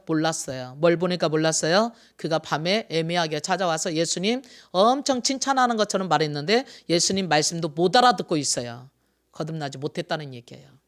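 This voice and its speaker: A pastor in his or her sixties gives a Sunday sermon in a medium-pitched voice, posing one question after another to the congregation. Key phrases recur, first driven home loudly, then dropped into a soft aside.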